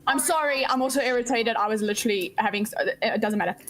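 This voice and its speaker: A woman's voice: mid-range voice, very fast, fairly bright tone, a little hiss or hum, rough recording. A woman playing a tabletop game, talking in a chatty, rambling way and giggling often. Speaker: player. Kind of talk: casual tabletop play.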